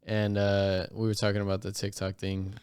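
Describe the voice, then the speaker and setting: A young man in casual podcast chat, talking in a relaxed, thoughtful way. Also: on the low side, normal speed, smooth, no echo. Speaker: podcast co-host.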